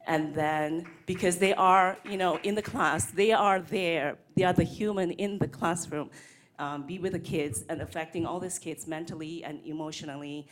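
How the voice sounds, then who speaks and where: A woman speaks at a school board podium microphone, her voice sitting low. She is earnest and hesitant, with many ums and restarts as she makes her public comment. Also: steady tone, normal speed. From Malaysia. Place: board meeting room.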